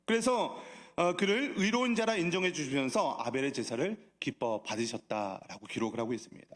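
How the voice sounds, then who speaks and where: A man preaching as a pastor at a church service, asking the congregation questions and slipping in playful asides. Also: sits high. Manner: playful asides that draw laughs. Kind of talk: sermon. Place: church sanctuary.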